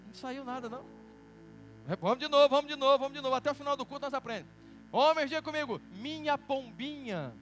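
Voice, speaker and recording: A man preaching a sermon in church with a Brazilian accent, animated and teasing as he calls on the congregation to answer back. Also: very high voice, racing, soft background music. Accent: Brazilian Portuguese. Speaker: pastor.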